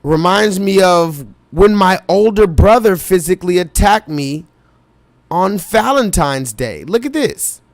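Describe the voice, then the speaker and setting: Reading out viewer comments on his live reaction stream, this man addresses chat head-on, urgent and insistent, repeating himself again and again. His voice sits high and expressive at a measured pace, with no room sound.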